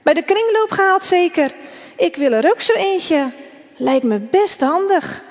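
A woman's voice: very high-pitched, animated, unhurried, long reverb tail, highs cut off, voice pushed up, exaggerated voice. A woman voicing a mean schoolboy bully in a read-aloud story, taunting and mocking.

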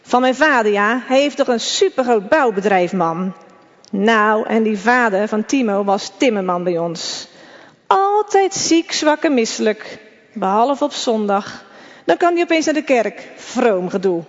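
A woman's voice: on the high side, sing-song, unhurried, in a large hall, muffled recording. A woman doing a mean taunting schoolboy bully. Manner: taunting, mocking.

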